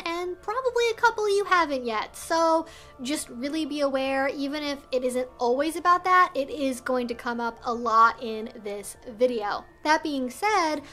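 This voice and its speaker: A woman's voice: high-pitched, fairly bright tone. A woman hosting an explanatory vlog, speaking in an articulate, conversational way and explaining things carefully. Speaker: video host. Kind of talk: explanatory educational vlog, talking to viewers.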